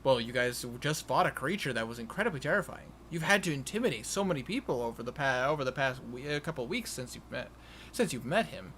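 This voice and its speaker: Man, game master, very varied intonation, halting repeated phrases, improvised narration, faint background noise. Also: medium pitch, lively intonation, a bit bright. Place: online voice call. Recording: noisy home voice-chat recording.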